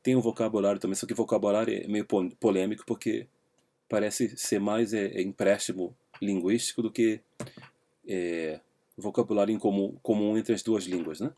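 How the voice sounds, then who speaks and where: A man's voice: lowish voice, fairly even intonation, normal speed, mellow. A Brazilian man with a Brazilian Portuguese accent casually explaining a language, hesitant and peppered with fillers and restarts. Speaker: language teacher.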